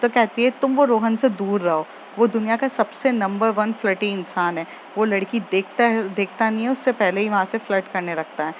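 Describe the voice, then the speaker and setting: A woman's voice: mid-range voice, normal speed, few pauses. A woman casually retelling a romantic story scene by scene, quoting the characters' lines, with frequent fillers. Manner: chatty, retells scenes with quoted dialogue and fillers. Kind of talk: casual spoken story recap. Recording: dull lo-fi audio with faint noise.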